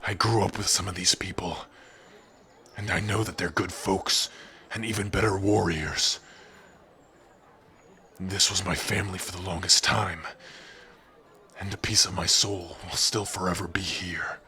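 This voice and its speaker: A man playing a gruff, defiant orc warrior with a gravelly, raspy voice in an ASMR roleplay, blunt and threatening, protective of a companion. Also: deep voice, fairly even intonation, measured pace, pauses often, pushed and bright, exaggerated voice. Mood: weary, reflective.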